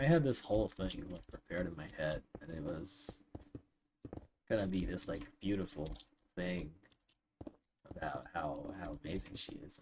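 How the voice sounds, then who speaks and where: With a very deep, low pitch and a somewhat breathy quality, a man talks at a moderate pace while his pitch swings very widely. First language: not English. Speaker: gaming YouTuber. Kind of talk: casual vlog commentary while gaming. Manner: rambling, hesitant with fillers.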